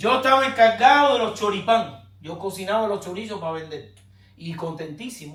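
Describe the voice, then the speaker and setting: Amid audible room echo, a man speaks at a fairly slow pace in a raised, projected voice. His high pitch carries an animated tone and lively intonation. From United States. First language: English (speaking Spanish). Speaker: pastor. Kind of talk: sermon.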